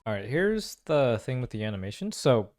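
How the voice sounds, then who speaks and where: A man's voice: mid-range voice, sing-song, normal speed, a little mellow. A man giving casual game reaction and analysis commentary, musing aloud with lots of questions and informal slang. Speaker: reaction video host.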